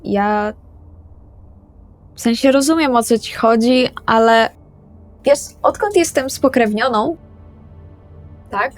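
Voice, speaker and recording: A woman's voice: a little high, takes it slowly, long pauses, faint music behind. A woman playing an earnest, hesitant, remorseful young female vampire in an improvised roleplay audio drama.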